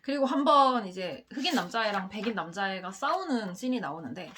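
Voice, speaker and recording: A young woman giving a casual book review, blunt and quick to laugh, now and then swearing. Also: mid-range voice, animated, fairly bright tone, a little hiss or hum.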